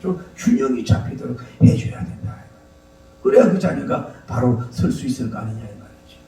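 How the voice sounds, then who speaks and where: A male pastor preaches with an animated, swooping delivery and a gravelly edge to his voice. He is recorded from a distance in a roomy church hall, with faint noise underneath. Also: medium pitch, moderate pace, faint music behind. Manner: animated, shouts mock slogans, storytelling. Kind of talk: sermon.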